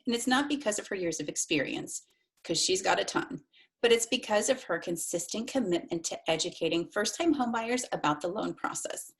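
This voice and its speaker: A woman's voice: medium pitch, slightly rough. Chatty upbeat woman host. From Pittsburgh area. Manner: upbeat, chatty, laughs often. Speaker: podcast host. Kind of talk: casual interview.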